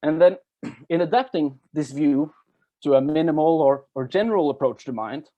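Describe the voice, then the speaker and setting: A man giving an academic talk, explaining step by step with halting self-corrections. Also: a little high, muffled recording. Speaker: academic presenter. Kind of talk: academic lecture at a workshop.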